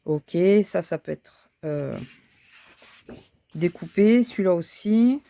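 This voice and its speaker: A woman's voice: on the low side, animated, slow pace, gravelly, mellow, no echo. A woman thinking aloud as she crafts, talking casually with frequent fillers and restarts. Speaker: crafting vlogger. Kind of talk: casual chat while crafting.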